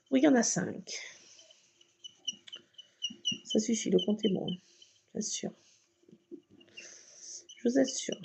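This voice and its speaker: A woman's voice: mid-range voice, vocal fry, dark tone. A woman chatting through a crafting tutorial at home, explaining each step with lots of fillers. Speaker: craft vlogger. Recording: dull lo-fi sound with faint noise.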